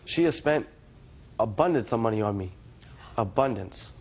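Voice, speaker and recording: A man's voice: lowish voice, expressive, moderate pace, slightly rough. A young man testifying as a defendant in court, deferential yet insistent as he answers the judge. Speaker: defendant in small claims court.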